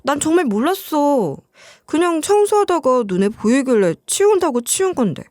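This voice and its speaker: A woman's voice: high-pitched, sing-song, normal speed, a little mellow, dry recording, studio quality. A woman voicing a hurt, defensive wife. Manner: plaintive, defensive replies.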